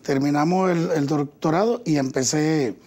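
A middle-aged man answering questions in a relaxed, easygoing way in a television studio interview, speaking into a lapel mic. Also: a little high, moderate pace. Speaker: interview guest.

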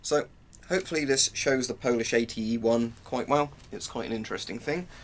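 Brisk and medium-pitched, the voice belongs to a British presenter in his twenties who reviews military gear. He demonstrates it with loose, rambling, informal commentary, recorded in a small cluttered room at home with clear background noise.

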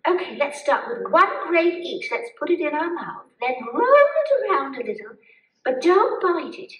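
A woman voicing a high, lively puppet lady. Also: normal speed. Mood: explaining. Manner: lively, storytelling, gently instructive. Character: cheerful, chatty older woman puppet who loves mindfulness. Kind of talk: live puppet show acting. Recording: echoey room, mic far off.

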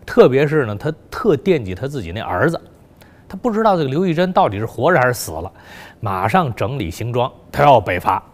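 Lively-pitched male history storyteller. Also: brisk. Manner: colloquial, filler-heavy storytelling. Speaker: history lecturer. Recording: long hall reverb.

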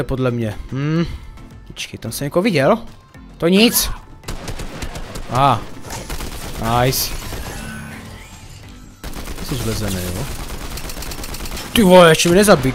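A man giving casual, joking commentary on his own gameplay and talking to viewers as friends. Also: on the high side. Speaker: gaming YouTuber.

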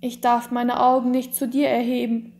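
A woman's voice: fairly high pitch, monotone, normal speed, darkish tone, lightly acted. Woman voicing an anguished, guilt-stricken count, raised voice. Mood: remorseful, overwhelmed. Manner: impassioned, pleading, exclamatory. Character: anguished, guilt-stricken count, adult man, horrified and remorseful. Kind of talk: dramatic storybook reading.

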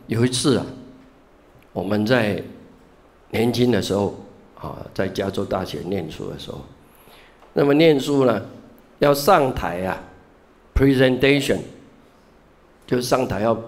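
A man's voice: fairly low pitch, a little mellow. A man, a Buddhist monk giving a classroom lecture, telling stories and stretching out filler particles. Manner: storytelling, drawn-out filler particles.

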